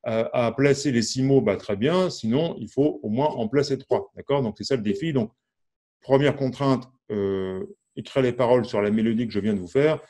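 In a casual online music lesson, a man with a mellow, medium-pitched voice talks at a moderate pace. He's chatty and full of fillers, counting and singing out syllables over an instrument.

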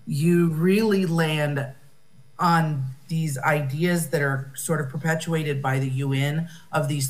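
American woman giving a conference talk. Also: low voice. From United States. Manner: thoughtful, rephrasing often, with fillers. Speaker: conference speaker. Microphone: video call.

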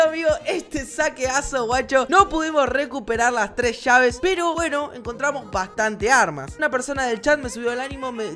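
Excited gameplay commentary comes from a very high-voiced man with an Argentine Spanish accent, the host of a gaming channel. He swears a lot and shouts frequently.

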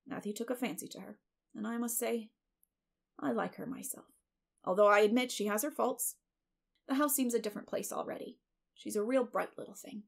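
Sensible older female guardian, read by a woman narrator: firm, dry delivery, fry-edged, unhurried storybook character. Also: on the high side. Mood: dry, resolute. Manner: dry, measured.

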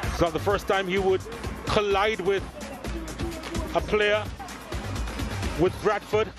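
A man with a fairly high voice calls football highlights in a lively, emphatic way. His voice-over runs over clear background music. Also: slow pace. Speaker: highlights commentator. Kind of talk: sports highlights commentary.

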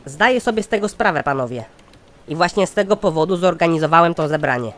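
Cartoon chairman, high voice, pompous, sardonic, formal, scheming. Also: lively intonation, fast talker, fairly bright tone. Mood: concerned, sardonic. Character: pompous, exasperated male company chairman, scheming boss. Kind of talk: satirical cartoon dialogue.

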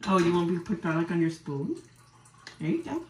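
Her voice is lowish, sing-song and a little fast as this woman in her thirties coaxes her toddler patiently while cooking in the home kitchen. It's casual chat, recorded by a camera on the counter, with roomy echo and clear background noise around her.

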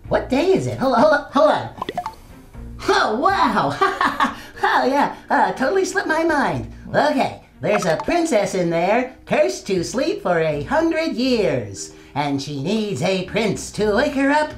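A performer voicing a bumbling, excitable puppet in a children's story sketch, scatterbrained and hesitant, given to giggling. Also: medium pitch, slow pace, faint music behind. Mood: scatterbrained, jolly. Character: bumbling, excitable puppet playing king, fairy and dude.

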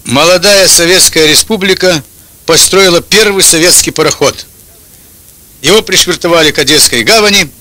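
Bright, forceful man telling jokes. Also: on the high side, no room sound, rough recording. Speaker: joke teller. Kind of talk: telling short jokes and anecdotes. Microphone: handheld-type microphone held close, headphones on.

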